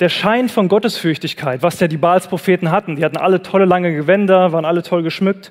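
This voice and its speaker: A man with a high pitch talks at a fairly quick pace using fairly even intonation. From Kaiserslautern, southwestern Palatinate, Germany. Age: 20s. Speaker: lay preacher at youth service. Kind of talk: sermon. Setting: church youth service with audience.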